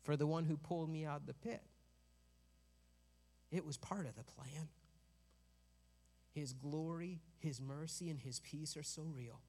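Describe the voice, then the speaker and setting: A fairly high-voiced man preaching to a congregation, his words trailing off into a long hall reverb. He slips between relaxed, joking asides and loud, emphatic peaks. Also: a little slow, pauses often. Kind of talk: sermon.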